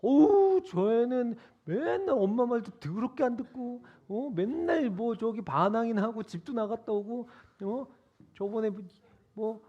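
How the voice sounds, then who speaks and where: A man voicing a resentful older brother, complaining loudly that he is treated unfairly. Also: very high voice, sing-song, moderate pace, few pauses, lo-fi sound, voice pushed up. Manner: loud, aggrieved complaining.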